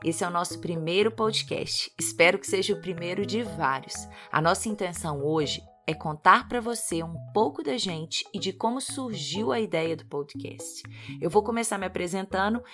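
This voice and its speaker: A woman with a Minas Gerais accent co-hosting a podcast, calm and measured as she introduces herself. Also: on the low side, faint music behind. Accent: Minas Gerais Brazilian Portuguese. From Minas Gerais, Brazil. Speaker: podcast co-host, psychologist.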